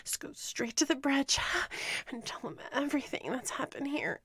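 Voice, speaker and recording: A woman voicing a proud, resentful young female starship ensign, speaking in a breathy, often whispered voice and stammering as she pleads. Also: high voice, sing-song, moderate pace, a bit bright, no echo, clean studio sound, heavily acted. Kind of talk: audio roleplay acting.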